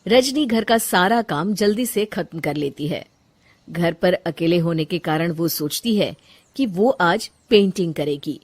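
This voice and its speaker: A woman narrating a Hindi cartoon moral story in a calm storytelling way. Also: lowish voice, unhurried.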